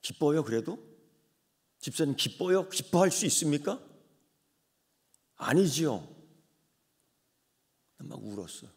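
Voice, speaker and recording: Male pastor, dramatic sermon delivery, lively melodic pitch, long church reverb. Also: slow pace, long pauses. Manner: dramatic swings from hushed to shouting. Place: church sanctuary.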